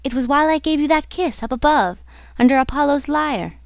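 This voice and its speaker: A woman's voice: high voice, lively intonation, moderate pace, creaky, a little mellow, no room sound, clean studio sound. A woman voicing a fearful, earnest young female opera singer in a dramatic, pleading manner for a storybook. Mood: despairing.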